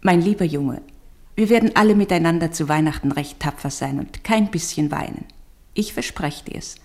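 A woman's voice: sits low, normal speed, vocal fry. A woman playing a loving, sorrowful mother in a German radio play, speaking tenderly and bravely as if in a letter. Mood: tender, sad. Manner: tender, brave, gently admonishing.

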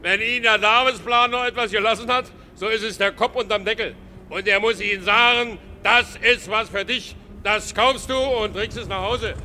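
An actor playing a brash, wisecracking street hawker, declaiming a sales patter in a radio drama. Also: male voice, high-pitched, steady tone, normal speed, pushed and bright. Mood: cajoling, wisecracking. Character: brash, wisecracking Berlin street hawker selling cheap wares. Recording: long reverb, faint street traffic noise.

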